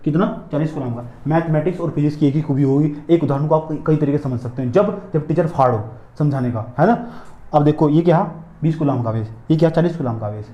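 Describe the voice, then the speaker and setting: A man's voice: on the high side, quick pace, echoey room, dull audio. A man teaching physics in a classroom lecture, repeating points and drilling his students with questions and answers.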